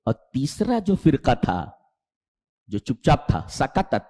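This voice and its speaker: A male Islamic preacher giving a sermon of Quranic commentary. He recites Arabic verses and explains them, retells stories with acted speech, and swings between loud emphatic peaks and quiet low asides. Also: huge pitch swings, big-room sound.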